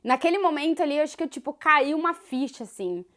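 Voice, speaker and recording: A woman's voice: sits high, expressive, fast talker, a bit bright. A woman in her thirties with a Gaúcho Brazilian accent, a sports journalist chatting casually as she answers viewer questions, dotting her talk with fillers. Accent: Gaúcho Brazilian Portuguese. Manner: chatty and thoughtful, many fillers like "né" and "assim". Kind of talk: casual Q&A vlog.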